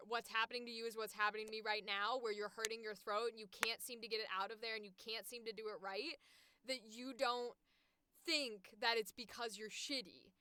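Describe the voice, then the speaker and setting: Bright, crisp, high-voiced woman chatting frankly. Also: no room sound. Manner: animated, emphatic, frank, swears. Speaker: voice actor streaming. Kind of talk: casual chat.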